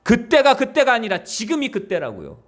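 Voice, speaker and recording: A male pastor delivering a Sunday sermon in a church, his voice very high and swinging widely up and down. He presses his points hard, pleading with his listeners and firing rhetorical questions at them. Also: huge pitch swings, normal speed, a bit bright. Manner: emphatic, pleading, asks the congregation many rhetorical questions.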